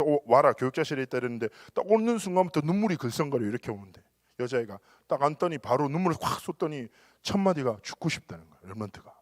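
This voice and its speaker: A man's voice: on the high side, no echo, clean studio sound. A male pastor preaching a church sermon, telling stories with humor and acting out the quoted lines. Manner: animated storytelling with humor and acted quotes.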